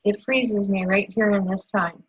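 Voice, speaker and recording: A breathy woman with a mid-range voice comes through on dull, muffled audio. She echoes affirmations softly and talks hesitantly about how she feels, with pauses and fillers. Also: medium pitch, fairly even intonation. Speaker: client in a tapping session. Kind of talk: repeating affirmations, then describing feelings.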